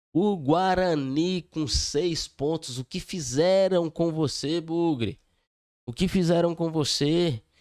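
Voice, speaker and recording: Against a quiet background, a man with a Brazilian accent speaks very slowly at a high pitch with ordinary pitch variation. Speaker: football commentator. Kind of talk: casual commentary on league table. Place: home room. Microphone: studio mic.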